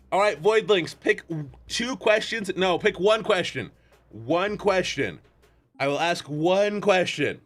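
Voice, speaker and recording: A man reading a visual novel aloud and joking between lines, with an animated manner that jumps high in pitch. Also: dry recording. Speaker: game voice-over streamer.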